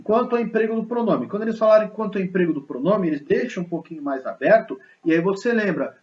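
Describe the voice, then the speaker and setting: A male teacher gives a grammar lesson in a lively, explanatory way and often checks in with rhetorical questions. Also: sits high. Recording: slightly dull lo-fi recording.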